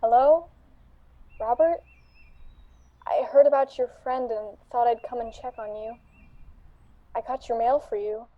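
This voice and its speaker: A woman's voice: fairly high pitch, measured pace, pauses often, dull audio. A woman playing an earnest, caring female friend of a detective in an amateur radio drama. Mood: worried.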